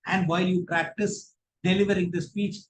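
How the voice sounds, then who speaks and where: A man with an Indian accent teaching a public speaking workshop in a deliberate, instructive and emphatic way. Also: sits high, flat delivery. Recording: roomy, echoing voice pickup.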